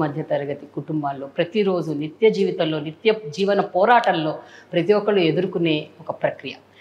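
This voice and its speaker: Her pitch is fairly low for a woman. The pitch variation is ordinary. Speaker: journalist. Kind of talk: video intro to camera. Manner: upbeat.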